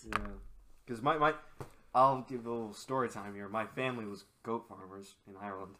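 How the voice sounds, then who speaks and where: A man's voice: lowish voice, brisk, bright, forceful tone. A young man joking around as co-host of a casual podcast. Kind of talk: casual chat among friends.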